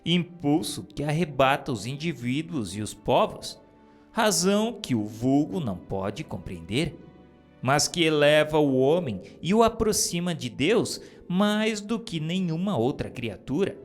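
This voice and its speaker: Male reader, solemn and declamatory, very slow, with a lively rising and falling pitch, over soft music. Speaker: reader of spiritist texts. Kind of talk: slow solemn reading of dictated messages. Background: soft background music.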